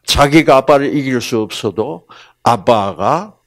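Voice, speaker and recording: Animated lecturing man, slow and lively. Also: medium pitch, dry recording. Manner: animated, asks the audience constant rhetorical questions; acts out quoted people in his stories. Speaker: health lecturer. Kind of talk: religious lecture to a live audience.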